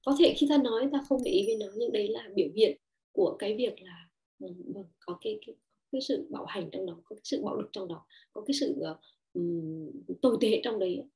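A woman's voice: medium pitch, expressive, fast, warm tone. A woman giving an online talk on parenting and relationships, hesitant and full of fillers, acting out quoted lines in a raised voice.

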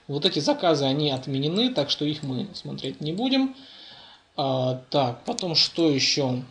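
A man's voice: on the high side, a bit bright. A young man narrating a casual screencast in a hesitant, wordy, informal way, recorded on a built-in laptop microphone. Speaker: programming tutor and app developer. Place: indoors at a laptop.

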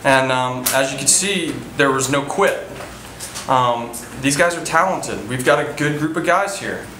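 In an indoor press room in front of a sponsor backdrop, a baseball team manager in his thirties fields post-game questions. His medium-pitched voice has lively intonation and a sharp tone, and he talks a little slowly, earnestly repeating himself with frequent fillers and restarts. The audio is poor and roomy, with slight background noise.

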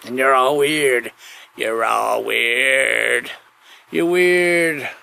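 A man rambling casually through a solo podcast monologue, halting and digressive, often repeating himself. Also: mid-range voice, bright, forceful tone. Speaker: podcast host. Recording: clearly noisy background.

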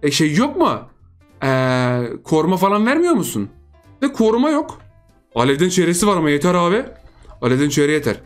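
A man giving casual, excitable commentary over his own video game, often repeating words in quick bursts. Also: fairly high pitch, faint music behind. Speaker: gaming YouTuber.

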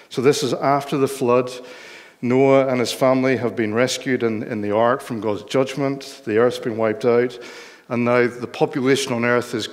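An older man with a Northern Irish accent preaching a sermon in a measured, explanatory way from a church stage. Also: medium pitch. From Northern Ireland. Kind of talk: sermon with Bible reading. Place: church hall, speaking from lectern on stage. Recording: long hall reverb.

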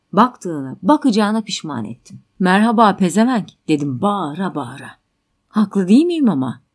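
Bitter stranded mother in an audiobook drama, voiced by a woman, agitated, emphatic, mid pitch. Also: a little mellow, natural voice.

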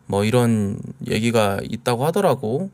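A man's voice: fairly low pitch, expressive, unhurried, gravelly, a little mellow. Easygoing male streamer hedging with fillers. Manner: hesitant, many fillers, relays hearsay. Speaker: streamer reacting to clips. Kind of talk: casual reaction commentary.

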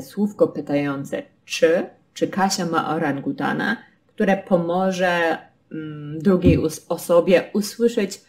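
A woman's voice: sits low, darkish tone. A woman teaching a language lesson, patiently explaining grammar rules with spoken example sentences.

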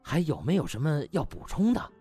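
A man's voice: fairly high pitch, huge pitch swings, brisk, mellow, faint music behind. A man playing an uneasy older male party official in an audiobook, hesitant and officious. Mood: forced politeness. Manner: hesitant, officious, throat-clearing.

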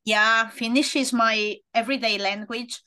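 A woman with an Italian accent talks through a laptop webcam on a video call, her voice sitting a little high for a woman. She searches for words, filling the gaps with hesitant pauses as she hosts a relaxed chat from her bedroom. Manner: hesitant, many fillers. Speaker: podcast host. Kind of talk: casual video-call interview. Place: home bedroom.

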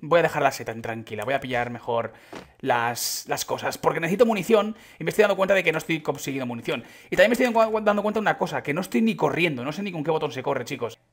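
A young man with a Spain Spanish accent giving casual, excitable commentary on his gameplay, chatting to his viewers and breaking into sudden shouts. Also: on the high side, quick pace. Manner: chatty, addresses viewers as chicos. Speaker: gaming YouTuber.

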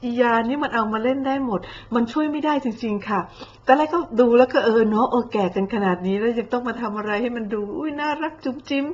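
Woman ranting sarcastic commentary, kinda high voice, mocking and crude, muffled lo-fi audio. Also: fast. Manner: mocking, blunt, coarse slang. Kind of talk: sarcastic social media commentary.

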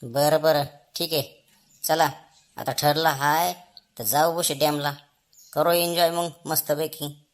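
A man's voice: a little high, steady tone, slow, pauses often. A commanding family father from a comedy cartoon, acted by a man. He speaks colloquially with a rural Maharashtrian accent. He likes to take charge of everyone. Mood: agreeable. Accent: rural Maharashtrian Marathi. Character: bossy village father, gruffly chiding, then agreeable. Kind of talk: Marathi comedy cartoon dialogue.

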